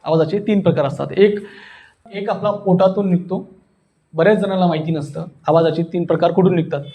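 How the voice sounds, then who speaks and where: High-voiced man coaching a class. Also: steady tone, brisk, highs cut off. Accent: Marathi. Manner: demonstrative, checks understanding with questions. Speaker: voice and public speaking coach. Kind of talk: interactive workshop teaching.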